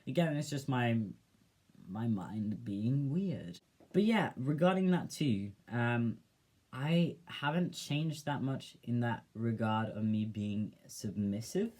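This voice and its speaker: Soft-spoken young man musing on camera. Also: medium pitch, expressive, slow. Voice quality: soft, gentle voice. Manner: reflective, hesitant, with many fillers. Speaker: vlogger. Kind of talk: casual personal vlog.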